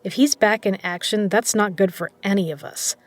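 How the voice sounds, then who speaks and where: A woman playing a shrewd poker legend who runs an underground casino, speaking in a measured, persuasive way in a scripted audio drama. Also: mid-range voice, close to an everyday voice. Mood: concerned, scornful.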